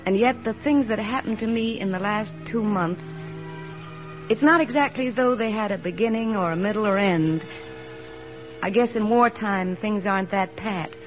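An actress playing an earnest young army nurse, talking in a reflective, confiding way in a 1940s radio drama, on a muffled old broadcast recording. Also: female voice, mid-range voice, normal speed, soft background music, natural voice. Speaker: lead actress.

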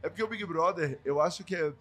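A podcast co-host asking relaxed follow-up questions in a casual chat. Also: mid-range voice, quick pace.

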